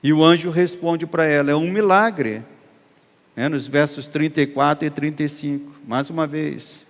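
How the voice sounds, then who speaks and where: A man with a Brazilian accent, preaching a sermon as pastor, emphatic and swelling loud on key phrases. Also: fairly high pitch, moderate pace. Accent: Brazilian Portuguese. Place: church hall. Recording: long hall reverb.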